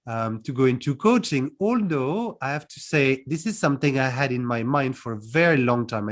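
A man, speaking as a guest in a casual interview, measured and friendly. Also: medium pitch. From France. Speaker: guest, coach.

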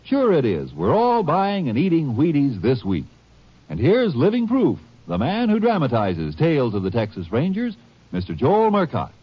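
A man announcing an upbeat, chummy sponsor pitch on 1950s radio. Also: wildly swooping pitch, normal speed, husky. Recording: muffled 1950s radio studio recording.

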